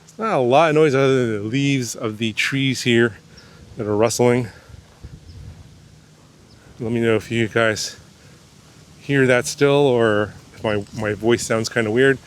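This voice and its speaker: A man's voice: medium pitch, a little slow, pauses often. A man talking outdoors into a wireless clip-on mic with noise reduction processing on, vlogging casually about camera gear with lots of fillers and restarts. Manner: rambling, many fillers and restarts. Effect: noise reduction processing on the mic audio. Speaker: camera reviewer. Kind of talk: casual gear-test vlog. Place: outdoors among trees.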